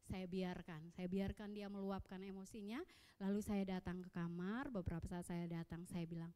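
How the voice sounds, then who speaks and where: A woman in her thirties with an Indonesian accent, preaching at a youth service and telling personal stories in a lively way. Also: on the low side, normal speed, clear, resonant tone. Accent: Indonesian, Samarinda. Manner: lively storytelling, acting out dialogue. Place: church hall. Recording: long echo of a church hall.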